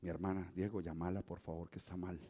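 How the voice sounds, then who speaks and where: A middle-aged Colombian man with a softened Colombian Spanish accent, preaching a sermon that swings from quiet asides to loud emphatic exhortation. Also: sits low, flat delivery, fast, slightly rough. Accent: Colombian Spanish, softened toward neutral. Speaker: pastor.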